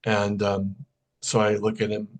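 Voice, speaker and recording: This middle-aged man, a sound healer appearing as a podcast guest, casually tells a personal story and recounts conversations through quoted dialogue. His voice is lowish, monotone and a little slow.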